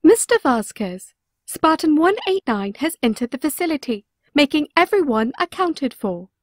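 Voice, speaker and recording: A woman acting as a female AI from a sci-fi machinima, high in pitch and very lively in intonation. She makes formal announcements, recorded close and dry. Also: normal speed, no echo. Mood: formal announcing. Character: formal female shipboard artificial intelligence. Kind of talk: scripted sci-fi machinima line reading.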